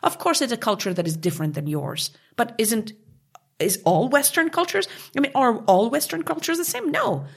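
A woman's voice: on the high side, animated, normal speed, creaky, breathy edge. A woman from Canada, speaking passionately and emphatically as an interview guest. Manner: passionate, emphatic, with rising outbursts. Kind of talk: conversational interview.

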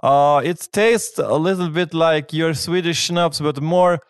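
A man playing a formal Latvian radio presenter in put-on Latvian-accented English, speaking slowly. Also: on the high side, fairly even intonation, clear, resonant tone, dry recording, clean studio sound. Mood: mock-formal. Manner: slow, formal announcer delivery.

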